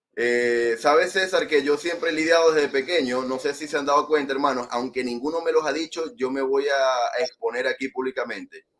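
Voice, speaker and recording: A man with a fairly high pitch talks at a fairly quick pace, with hardly any pauses and ordinary pitch variation. There is noticeable background noise. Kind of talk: broadcaster voice.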